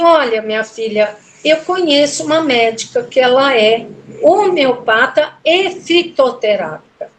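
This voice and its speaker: A middle-aged woman recounting a personal story in a casual interview, animated and emotional, acting out the voices of the people she spoke with. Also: high voice. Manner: emotional, animated retelling with quoted dialogue. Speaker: guest telling a personal story.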